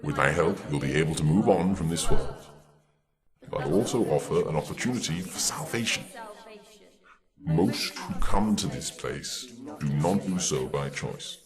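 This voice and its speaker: A man playing a grave, deep-voiced doorway keeper. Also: lively intonation, normal speed, crowd noise. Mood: solemn. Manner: grave, formal pronouncements. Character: Keeper of Doorways, solemn otherworldly gatekeeper.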